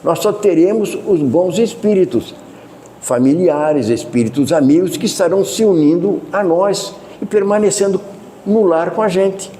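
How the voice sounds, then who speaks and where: In a spiritist center's meeting hall, a Brazilian man, a spiritist lecturer, gives a devotional talk at a moderate pace in a loud, unchanging voice he cannot lower. He keeps it conversational, addressing listeners with asides and questions, over a little hiss or hum.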